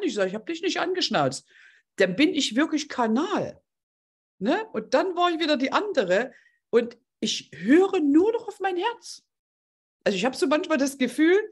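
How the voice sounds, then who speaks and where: A woman hosting an online group coaching session, talking in an effusive, heartfelt way and addressing participants directly. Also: high-pitched.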